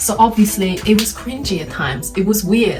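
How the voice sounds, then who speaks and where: A woman at a fairly quick pace with ordinary pitch variation, audible room echo and music in the background. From Austria. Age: 30s. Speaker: sewing YouTuber. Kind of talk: casual vlog. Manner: not usually quiet.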